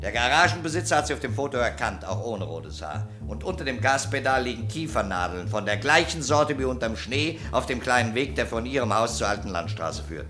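A relentless male police detective in a radio crime drama. The voice is mid-range with a hard, bright edge. He sets out his case precisely and accusingly, like someone who will not let go. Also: mid-range voice, sing-song, a little fast, few pauses, soft background music. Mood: insistent, triumphant. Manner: accusatory, precise, clipped delivery. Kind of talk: German radio crime play acting.

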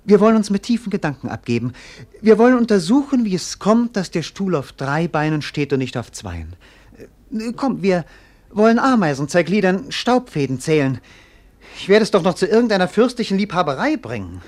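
An actor playing a bored, melancholy young prince in a radio play, declaiming lyrically. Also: male voice, high-pitched, big pitch swings, moderate pace, darkish tone. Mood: restless, fervent. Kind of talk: theatrical German radio play acting.

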